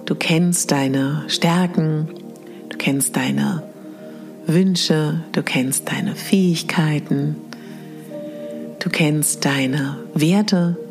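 Woman, sleep-story style guided meditation, very slow, lowish voice, soothing, breathy phrase endings, music behind. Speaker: podcast host and guided exercise leader. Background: clear background music.

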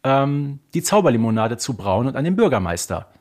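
A man's voice: mid-range voice, big pitch swings, brisk, a little mellow. A man chatting casually as a podcast guest, making emphatic points and posing rhetorical questions as he explains. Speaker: podcast guest, audio drama collector.

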